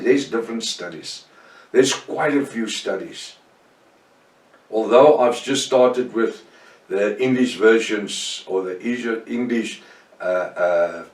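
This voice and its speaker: Man, Afrikaans accent, fervent preacher, echoey room, distant mic. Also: on the low side. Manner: fervent, emphatic preaching with prayers. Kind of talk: sermon Bible study.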